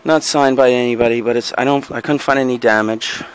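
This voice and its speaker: A man speaking briskly at medium pitch, with fairly even intonation, walks through his resale purchases in casual show-and-tell style. Recorded outdoors on a backyard patio with a handheld camera, he rambles, says um often, and corrects himself, with slight background noise.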